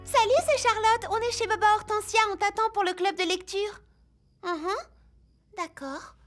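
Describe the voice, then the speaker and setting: A woman voicing a sensible, friendly young girl who leads her friends in a French cartoon dub, speaking earnestly and clearly. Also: very high voice, moderate pace, faint music behind. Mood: concerned.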